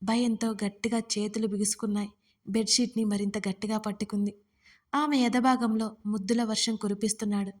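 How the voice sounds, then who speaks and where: A woman narrating a romantic audio story in a steady, even reading voice. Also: medium pitch, brisk. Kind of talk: scripted narration.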